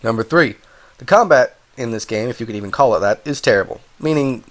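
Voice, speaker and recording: A man's voice: mid-range voice, animated, brisk. A man with a cold and a stuffed-up voice, casually reviewing a video game, rambling and correcting himself as he goes. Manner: rambling, self-correcting, apologetic asides. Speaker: game reviewer, channel host.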